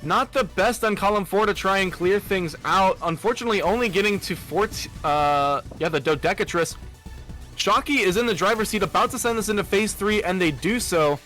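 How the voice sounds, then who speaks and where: A man giving analytical play-by-play commentary on a competitive video game match, steady and full of "uh" fillers. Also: high-pitched, a little fast, faint music behind. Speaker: esports commentator.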